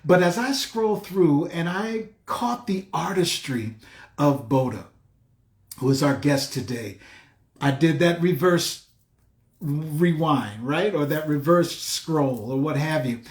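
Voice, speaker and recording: A man's voice: on the high side, lively intonation, takes it slowly. A man hosting a music interview show, effusive and conversational, repeating phrases for emphasis and speaking straight to his listeners.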